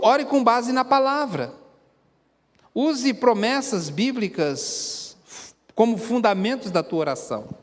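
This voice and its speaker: A man with a Brazilian Portuguese accent preaching a sermon as a pastor, earnest and conversational, putting direct questions to the congregation. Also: sits high. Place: church sanctuary. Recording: long hall reverb in a church.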